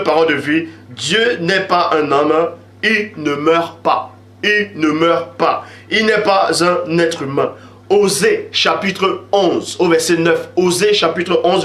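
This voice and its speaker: A man's voice: on the high side, fairly bright tone. Insistent man preaching in an echoey room. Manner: insistent, reads verses slowly, repeats for emphasis. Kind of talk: sermon with Bible readings.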